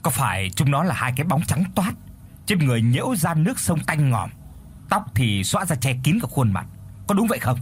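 A man's voice: a little high, sing-song, a little fast, slightly rough. A man playing a mocking village frog-catcher in a told folk tale. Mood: urgent. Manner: mocking, bossy. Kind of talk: storytelling.

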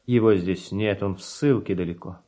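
Man doing a gentle pious monk in a radio verse play, fairly low voice, measured and reverent. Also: close to an everyday voice. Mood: grave. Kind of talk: classic verse radio drama acting.

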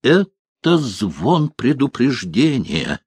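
Male narrator plays theatrical young bard, drawn-out, sing-song delivery, dry booth sound. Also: mid-range voice, big pitch swings, darkish tone, husky, no echo, pitched above the performer's own voice, exaggerated voice. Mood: ominous, theatrical. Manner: theatrical, declaiming ominous verse. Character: excitable young male bard, dramatic and wordy.

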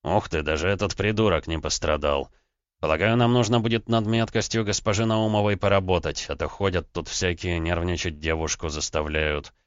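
A man's voice: low-pitched, fairly even intonation, moderate pace, smooth, no room sound, muffled recording, close to an everyday voice. A man voicing a sarcastic male character who mocks in a sardonic tone. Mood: mocking. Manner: sardonic, mocking.

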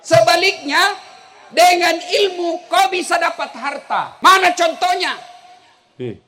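A middle-aged male preacher, giving a humorous religious lecture and telling stories with shouts and laughter. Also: extremely high pitch, takes it slowly, a faint crowd. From South Sulawesi. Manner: animated storytelling, bursts into shouts and laughter.

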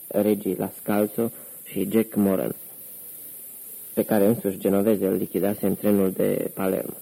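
A man narrating an audiobook in steady, even scripted storytelling. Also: on the low side, vocal fry, low-quality recording.

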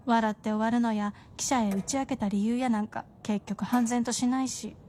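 女性が演じるラジオドラマの奥様, 高めの声, 気品ある軽い口調. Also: female voice, a little high, fairly even intonation, moderate pace, darkish tone, slight background noise, lightly acted. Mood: wry. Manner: polite, teasing, genteel speech. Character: refined wry wife of a novelist. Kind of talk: radio drama acting.

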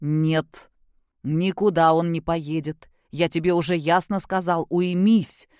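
A woman's voice: on the low side, steady tone, slow pace, a little mellow, clear, resonant tone, dry recording, clean studio sound. A woman voicing a stern older man who gives orders. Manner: stern, commanding.

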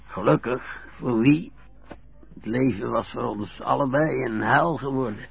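An actor playing an old widower who haltingly confesses a guilt that haunts him, in a radio drama. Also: male voice, mid-range voice, gravelly, slightly rough, muffled recording, exaggerated voice. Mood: bitter. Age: older. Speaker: old man being helped to dress.

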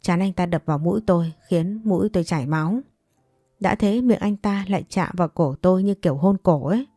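Brief: woman storyteller, first person, blunt and hot-tempered, low mellow voice. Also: a little fast, no echo, studio quality, soft background music. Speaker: narrator.

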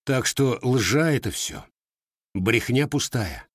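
A proud, sharp-tongued young armorer, as a man reads him in a storybook. He speaks in a dry, curt way, a little above the narrator's pitch, recorded close and dry. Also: expressive, slow, dry recording. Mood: calm.

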